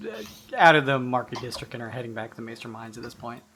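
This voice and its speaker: A man's voice: medium pitch, fast, a crowd in the background. A man narrating a tabletop game as game master, in hesitant, improvised phrasing.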